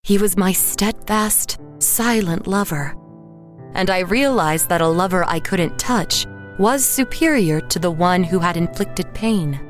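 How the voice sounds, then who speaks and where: A woman playing an anxious, haunted painter who tells her own story in measured, literary horror narration. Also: lowish voice, lively intonation. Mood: brooding, haunted. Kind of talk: scripted first-person horror audio drama narration. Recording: music underneath the voice. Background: background music.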